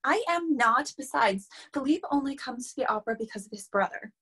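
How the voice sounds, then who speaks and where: A woman's voice: high voice, animated, fairly quick, fairly bright tone, husky, full character voice. Woman playing a flustered, swooping young opera performer. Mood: defensive. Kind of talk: virtual staged reading. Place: plain room, video call.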